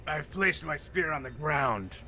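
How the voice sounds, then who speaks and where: Bright-voiced man playing a tabletop game. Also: on the high side, animated, unhurried. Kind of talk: casual role-playing game talk.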